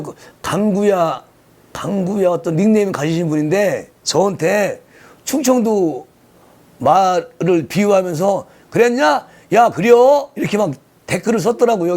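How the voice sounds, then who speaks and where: A man's voice: high voice, darkish tone. A man with a Chungcheong dialect giving emphatic solo political commentary and talking straight to his viewers. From Chungcheong Province, South Korea. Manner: emphatic, sing-song, talks directly to viewers.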